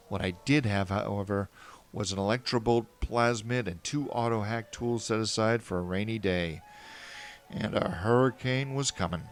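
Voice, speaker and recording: A man narrating a first-person fan fiction story in a wry, earnest way. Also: fairly low pitch.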